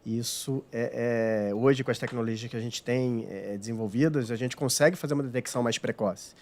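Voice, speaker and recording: A man's voice: medium pitch, steady tone, fairly quick, a little mellow. A man cardiologist with a Brazilian Portuguese accent speaking hesitantly, with many fillers, in a podcast studio. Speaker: cardiologist guest.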